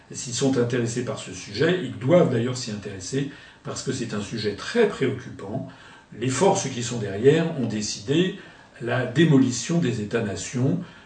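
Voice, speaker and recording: A man's medium-pitched voice at a fairly slow pace, lively intonation, big swings in loudness, noticeable background noise and audible room echo. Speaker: political party leader. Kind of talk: political interview. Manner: halting, frequent repetitions and hesitations; not hysterical, explanatory.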